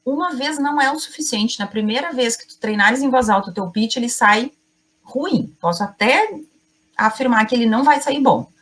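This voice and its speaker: A middle-aged woman teaching an online class as a communication coach, speaking emphatically in short phrases with deliberate pauses and addressing her audience directly. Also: a little high, a bit bright.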